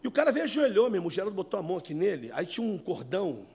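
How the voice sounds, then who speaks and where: Man preacher, high voice, animated storyteller, testimony-style sermon. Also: racing, creaky. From Brazil, Rio de Janeiro. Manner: animated, storytelling, addresses listeners as brothers. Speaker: evangelist giving testimony. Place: indoor meeting room.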